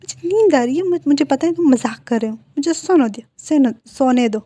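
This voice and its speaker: Lady playing a whiny eager young guy, high and pushy, storybook voice. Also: lively intonation, normal speed, warm tone, no echo. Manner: whiny, pleading. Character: excitable young man, whiny and lovesick.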